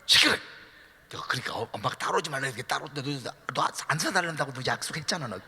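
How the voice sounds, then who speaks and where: Middle-aged male pastor, lively sermon storytelling, teasing the congregation, husky gravelly voice, long church reverb. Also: mid-range voice, fast. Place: church sanctuary.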